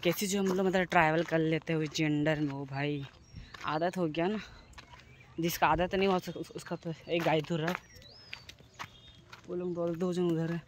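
A man's voice: on the high side, steady tone, moderate pace, pauses often, slight background noise. A man with a Jharkhand Hindi accent, filming a casual travel vlog outdoors on a phone and talking to his viewers in a chatty, teasing way. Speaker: vlogger. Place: outdoors, village and roadside.

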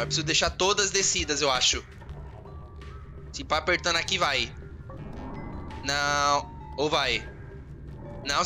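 Over loud game music, a man with a Brazilian Portuguese accent and a fairly high voice gives energetic let's play commentary. The gamer curses often while addressing himself and his audience.

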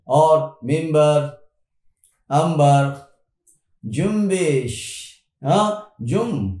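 Slow, patient male Urdu teacher. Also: medium pitch, dark tone, roomy sound. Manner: slow, explanatory, repeats example words one by one. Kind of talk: spoken grammar lesson.

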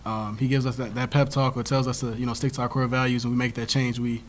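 A young man in his twenties, a college basketball player answering questions at a post-game press conference, halting and repeating words as he talks. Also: mid-range voice, flat delivery, a little hiss or hum. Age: 20s. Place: press room before a sponsor backdrop. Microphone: table mic in front of him.

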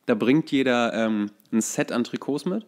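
A male podcast co-host speaks at a medium pitch. His delivery is conversational and explanatory, with hesitant phrasing as he works out each point. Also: moderate pace, a little mellow. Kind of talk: casual chat, explaining football.

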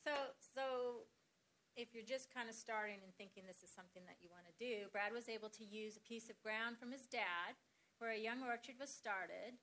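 A woman's voice: a little high, moderate pace, fairly bright tone, poor audio. A woman presenting slides at a farm workshop, talking conversationally with many fillers and restarts.

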